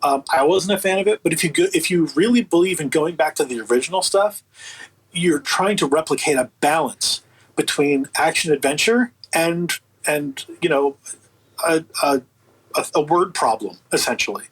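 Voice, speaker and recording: A man's voice: fairly high pitch, moderate pace, breathy edge, rough recording. A man speaking as an interview guest, chatting casually and giving his opinions in an emphatic, colloquial way. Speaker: interview guest, audio book producer.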